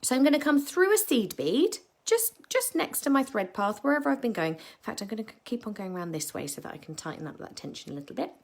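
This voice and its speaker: A woman with a croaky voice teaching a live beading tutorial, chatty and full of ums and self-corrections, with a British English accent. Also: fairly high pitch, big pitch swings, fast, hardly any pauses.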